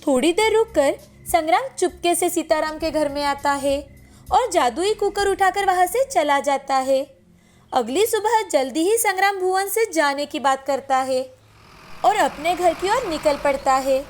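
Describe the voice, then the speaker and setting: A woman tells a cartoon story in a high, clear voice, keeping a steady storybook pace. Faint background music runs throughout. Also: a little slow. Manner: clear, even storytelling delivery. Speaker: narrator. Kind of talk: scripted storybook narration.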